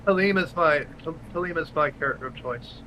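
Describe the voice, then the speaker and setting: A man's voice: on the high side, a little fast, pushed and bright, a little hiss or hum, low-quality recording. Eager man in his forties. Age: 40s. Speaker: player. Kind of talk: casual chat over a voice call.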